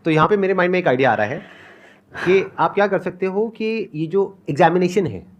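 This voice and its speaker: A man's voice: sits high, lively intonation, a little fast, muffled recording. Chatty male event host. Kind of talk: live event hosting.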